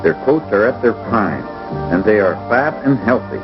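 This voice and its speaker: A man's voice: lowish voice, lively intonation, moderate pace, lo-fi sound. A man delivering scripted first-person narration as the narrator of a wildlife documentary. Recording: band-limited old 16mm educational film soundtrack. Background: loud background music.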